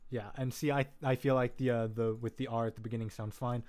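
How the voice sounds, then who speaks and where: Male streamer, smooth clear voice, mid pitch, easygoing technical walkthrough, frequent self-corrections and filler words. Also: fairly even intonation, fast, darkish tone. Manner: rambling, self-correcting, lots of "um" and "like"; laid-back, jokey asides. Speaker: live-stream host teaching vocal synth tuning.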